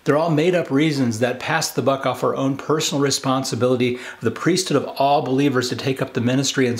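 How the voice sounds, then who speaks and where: A man in his forties speaking as a preacher, earnest and emphatic, repeating phrases to drive his exhortation home. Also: mid-range voice. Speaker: preacher, video host. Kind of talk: sermon-like exhortation to camera. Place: home study with bookshelves, indoors.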